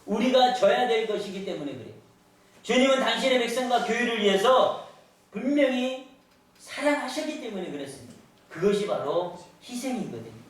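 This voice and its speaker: A man's voice: very high voice, big pitch swings, moderate pace. A male pastor preaching a sermon to his congregation, telling stories and asking them questions. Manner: storytelling with rhetorical questions to the congregation. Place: large church sanctuary. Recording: echoey church hall, voice from far off.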